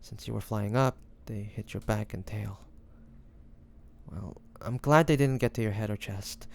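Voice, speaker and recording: Man acting as a low-voiced, slow-talking devoted lover. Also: darkish tone. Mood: concerned, gentle. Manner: tender, hesitant, breathy sighs, addressing the listener. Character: devoted, anxious young man tending his wounded dragon-shifter beloved. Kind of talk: romantic audio roleplay acting.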